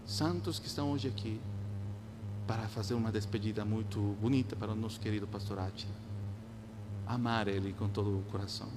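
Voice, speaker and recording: A man's voice: on the low side, steady tone. Man preaching in a noisy, echoing hall. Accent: non-native, Spanish-influenced Portuguese. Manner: earnest, exhorting, with short phrases and pauses. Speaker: pastor preaching to a congregation. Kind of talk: sermon. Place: large church hall, live before a congregation. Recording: echoing hall with loud background hum.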